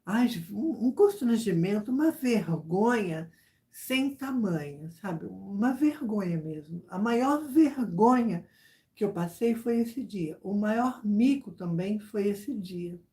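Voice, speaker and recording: A woman chatting casually with her viewers, telling a story in an animated way with many repeated phrases and asides. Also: mid-range voice, takes it slowly. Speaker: YouTuber chatting with subscribers.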